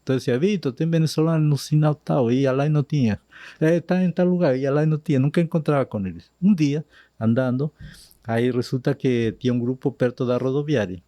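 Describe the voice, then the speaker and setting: A man's voice: medium pitch, no room sound. A man from Argentina, a Spanish native speaker, telling his story as a missionary guest in a podcast interview in Portuguese with an Argentine accent, drifting into Spanish words. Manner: slow, animated retelling with Spanish words slipping in.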